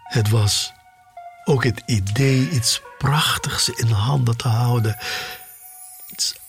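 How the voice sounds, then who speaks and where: A man's voice: medium pitch, takes it slowly. A man acting as a nostalgic, obsessive black-market sneaker trader in a futuristic radio play, telling his story in a wry, confiding way. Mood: tender, reverent. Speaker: voice actor in an audio drama. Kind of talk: dramatic monologue in a radio play. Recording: loud music under the voice. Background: loud music.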